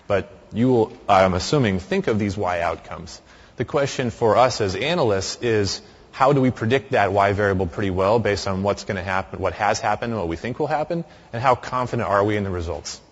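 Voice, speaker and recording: A man with a very low, deep voice gives a conversational conference talk in a large hall. He speaks into a microphone and often stops and starts himself. The recording sounds muffled and lo-fi. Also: lively intonation, fairly quick. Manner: conversational with frequent fillers and restarts.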